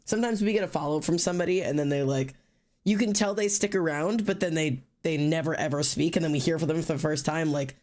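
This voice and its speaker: A man's voice: on the high side, fast talker, darkish tone. A man with a stuffy, sniffly nose chatting casually on a live stream, greeting and thanking chatters by name and rambling loosely while he draws. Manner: loose, rambling with fillers and restarts. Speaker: livestream host.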